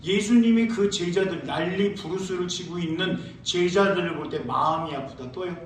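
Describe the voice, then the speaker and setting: A man preaching a sermon as pastor, asking his congregation questions and answering them himself, and reading scripture slowly. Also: sits high, slight background noise. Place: church sanctuary. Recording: very echoey church, heard from a distance.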